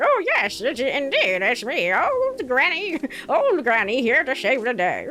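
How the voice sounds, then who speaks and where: Someone talks fairly slowly in a put-on character voice, with clear background noise behind it. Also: female-sounding voice, high pitch for a woman. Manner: playful, comic.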